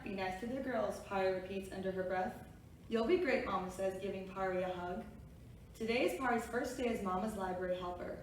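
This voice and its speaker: A woman with a kindergarten teacher voice, hosting a children's storytime, reading picture books aloud and guiding young listeners with simple, encouraging directions. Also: mid-range voice. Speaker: preschool storytime reader and host. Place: echoey room, away from the mic. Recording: very echoey room, distant mic, faint noise.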